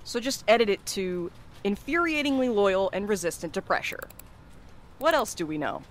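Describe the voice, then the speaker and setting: A woman's voice: mid-range voice, lively intonation, moderate pace, a little hiss or hum, close to an everyday voice. A woman playing an irreverent young courier in an audio drama, with a wry, teasing, casual manner. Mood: playful. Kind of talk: naturalistic audio drama acting.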